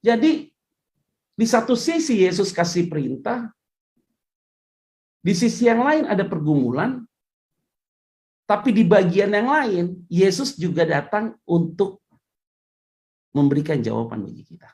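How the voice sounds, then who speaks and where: A woman's voice: medium pitch, big pitch swings, unhurried, long pauses, a little mellow. A woman pastor, preaching a casual sermon in a chatty way, with joking asides.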